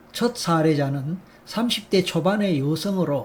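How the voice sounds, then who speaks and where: With a high pitch and ordinary pitch variation, a man is speaking. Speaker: hypnotherapy counselor. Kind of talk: series introduction to camera.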